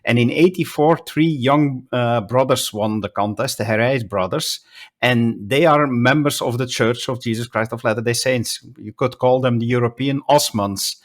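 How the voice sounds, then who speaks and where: This is a Flemish man in his fifties, a native Dutch speaker, answering questions in a friendly podcast chat. His voice sits at an ordinary middle pitch. His English is careful and halting, and he leans on frequent "uh" fillers as he builds each sentence. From Belgium (Flanders). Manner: measured, many "uh" pauses while finding words. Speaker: guest, bishop. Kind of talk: casual interview conversation.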